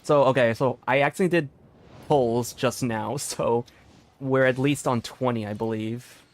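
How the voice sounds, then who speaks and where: A young man doing casual live game commentary as a streamer, excitable and rambling, often repeating himself. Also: medium pitch, unhurried. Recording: dry close sound with game music.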